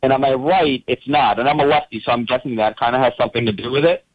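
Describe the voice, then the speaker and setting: A man's voice: mid-range voice, fairly even intonation, fast talker, dry recording. A man calling in to a talk show, describing things at length in a rambling, hesitant way with many fillers. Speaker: caller. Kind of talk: casual phone-in chat. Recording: dull lo-fi call line.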